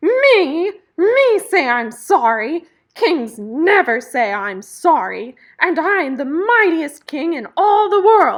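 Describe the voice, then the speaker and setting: A woman bellows in a put-on character voice at an extremely high pitch with very wide pitch swings. She goes at a very slow pace over a quiet background. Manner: bellowing, indignant.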